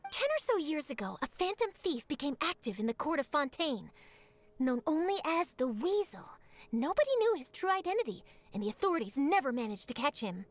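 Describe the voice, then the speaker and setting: A woman playing an eager, chatty young newspaper reporter in a video game, telling things in an expressive, articulate way. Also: high voice, fairly quick. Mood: keen storytelling. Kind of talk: animated video game dialogue, storytelling.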